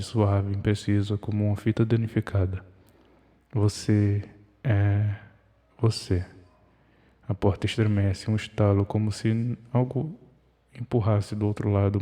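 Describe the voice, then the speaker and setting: A man reading a scripted horror story in the second person, measured and ominous, in short broken phrases. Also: on the low side, warm tone. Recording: long hall reverb.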